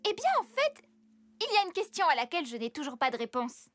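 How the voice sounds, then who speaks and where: A high-pitched cartoon schoolgirl reporter. She sounds self-important and snippy, with faint music behind her. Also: very animated, fast. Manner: pompous, snippy. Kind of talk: French-dubbed animated cartoon acting.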